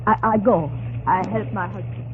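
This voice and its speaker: An actress playing a determined Native American wife and guide who speaks halting broken English in an old radio drama. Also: female voice, medium pitch, slight background noise, natural voice. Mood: earnest. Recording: tinny old radio recording, music behind.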